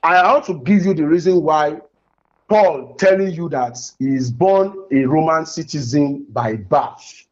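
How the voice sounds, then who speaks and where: A man's voice: fairly high pitch, darkish tone. A Nigerian man with a Nigerian accent arguing insistently in a heated religious debate, repeating phrases as he presses his point. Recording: dull lo-fi audio.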